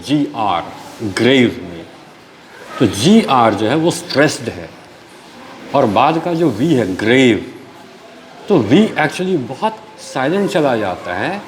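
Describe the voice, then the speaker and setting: Slow, lively teacher, man. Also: medium pitch, a little hiss or hum, poor audio. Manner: slow explaining, mixing Hindi and English, frequent "ठीक है". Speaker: school English teacher. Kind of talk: online class lecture.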